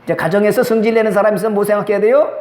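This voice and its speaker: A man's voice: sits high, steady tone, rapid-fire, darkish tone. A middle-aged man preaching a Sunday sermon as pastor, asking the congregation questions and acting out quoted voices. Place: church sanctuary. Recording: echoey church hall.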